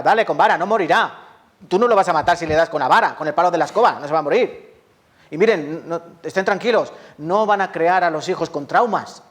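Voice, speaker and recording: Man with a Spanish accent, pastor's sermon, fairly high voice, impassioned, asks questions and answers them. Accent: Spanish from Spain.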